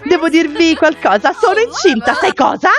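A woman's voice: sits high, big pitch swings, normal speed, a crowd in the background, pitched above the performer's own voice. Woman voicing bubbly eccentric young mom-to-be. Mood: breezy. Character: cheerful eccentric young woman, expecting a baby.

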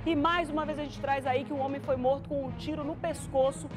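A woman's voice: high-pitched, steady tone, fairly quick. A woman with a Brazilian accent anchoring live TV news, commenting emphatically and speaking straight to viewers. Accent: Brazilian Portuguese. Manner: emphatic, editorializing, addresses viewers directly. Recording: TV broadcast with music bed.

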